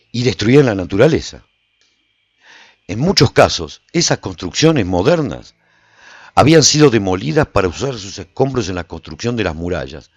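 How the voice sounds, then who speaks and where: A man playing a solitary, reflective survivor who recounts his travels in measured, theatrical radio drama narration. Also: fairly low pitch, dry recording. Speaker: narrator and lead actor of a radio serial.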